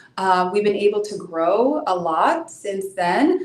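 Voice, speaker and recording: Noticeable background noise and audible room echo surround a woman speaking at a medium pitch with ordinary pitch variation. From Brazil, moved to US around age 9. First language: Portuguese. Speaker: immigration attorney. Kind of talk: interview.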